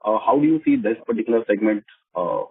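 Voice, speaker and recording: A man's voice: on the low side, animated, fast talker, slightly rough. An Indian man speaking as an analyst, politely and somewhat tentatively asking questions on an earnings call. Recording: muffled, narrow phone line.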